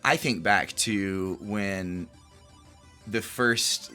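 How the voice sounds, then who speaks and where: Man, podcast host, casual chat, fillers and restarts, lower pitch, faint background music. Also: drawn-out words, bright, forceful tone. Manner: loose and chatty, with fillers and restarts.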